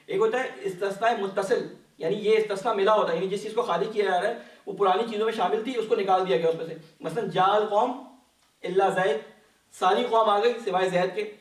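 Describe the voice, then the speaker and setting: A man gives a patient Quran lesson, often asking his class questions. His voice sits high for a man. He is heard some distance in a big echoing mosque hall. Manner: patient, asks the class questions and answers them. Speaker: Quran study teacher. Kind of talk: explanatory religious lesson. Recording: echoey hall, voice from off-mic.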